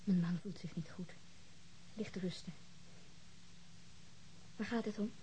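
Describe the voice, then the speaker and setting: An actress in a radio drama playing an anxious, protective wife, guarded and formal in manner. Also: female voice, fairly low pitch, steady tone, unhurried, dark tone, slight background noise, close to an everyday voice, poor audio. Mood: guarded, worried.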